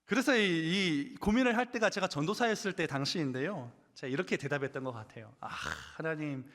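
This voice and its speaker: A man preaching in a lively, up-and-down voice, full of rhetorical questions and personal stories. His slightly high voice rings out with the long reverb of a church hall. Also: quick pace. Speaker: pastor. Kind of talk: sermon. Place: church sanctuary.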